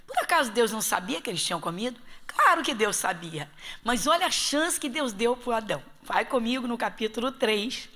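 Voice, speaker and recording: Bright-voiced woman pastor from Rio. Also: on the high side, expressive, fairly quick. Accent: Rio de Janeiro Portuguese. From Brazil. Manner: emphatic, asks the class rhetorical questions. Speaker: pastor teaching Bible school. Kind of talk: Bible study teaching.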